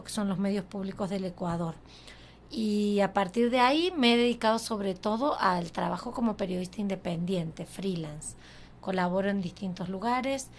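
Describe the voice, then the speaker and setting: A middle-aged woman, a journalist, answering interview questions in a thoughtful, measured and frank way. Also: medium pitch, vocal fry, slight background noise. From Argentina. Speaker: journalist guest. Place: university auditorium.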